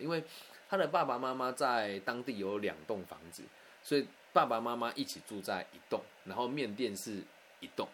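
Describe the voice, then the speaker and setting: A man telling a personal anecdote in a candid, animated, conversational way. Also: mid-range voice, a little hiss or hum. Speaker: storyteller.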